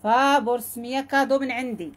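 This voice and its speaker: A woman with a Moroccan accent, pitching jewelry in a repetitive, enthusiastic sales patter. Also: steady tone, fast talker. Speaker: jewelry seller.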